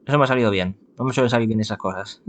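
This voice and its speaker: A man's voice: medium pitch, racing. A man playing a visual novel, reading it aloud, correcting himself and adding joking asides. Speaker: gameplay narrator.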